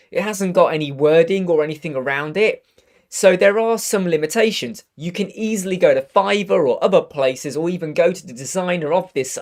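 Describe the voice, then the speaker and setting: A man in his thirties with a croaky voice from a cold, chatting upbeat through a live web design tutorial. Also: high-pitched. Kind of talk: casual live tutorial chat. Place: home studio room with purple lighting.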